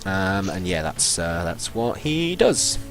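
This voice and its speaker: A man narrating as game master of a live-streamed tabletop game, halting and full of fillers as he describes the scene. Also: low voice, very animated, fairly bright tone, soft background music. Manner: halting, full of ums and sort-ofs.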